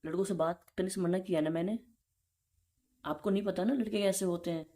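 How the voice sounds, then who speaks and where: A man's voice: high voice, steady tone, brisk, mellow. A young man in an intimate relationship argument, speaking in a reproachful, insistent and repetitive way. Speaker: boyfriend in a relationship call.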